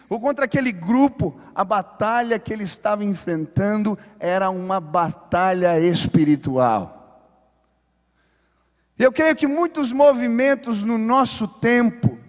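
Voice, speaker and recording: A man's voice: very high voice, a bit bright. A man with a Brazilian Portuguese accent, a pastor preaching a sermon with passion, mixing casual asides with building exhortation. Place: church sanctuary. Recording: long reverb of a church hall.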